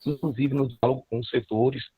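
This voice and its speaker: Over a video call, a middle-aged man from Northeastern Brazil gives a formal presentation of his law thesis, stumbling through many fillers, pauses and restarts. He keeps a medium pitch and steady tone, captured as tinny, dry computer-mic audio.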